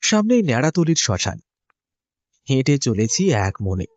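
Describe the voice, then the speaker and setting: A man's voice: mid-range voice, sing-song, moderate pace, dry recording. A man narrating a horror cartoon in the first person, in a tense, dramatic storytelling manner. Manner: tense, storytelling delivery with sudden rises.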